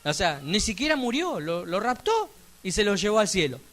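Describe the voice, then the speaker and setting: A man with an Argentine accent preaching a sermon in church, emphatic, with sudden loud rising peaks and chatty asides. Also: high-pitched, big pitch swings, normal speed. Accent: Argentine Spanish. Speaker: pastor.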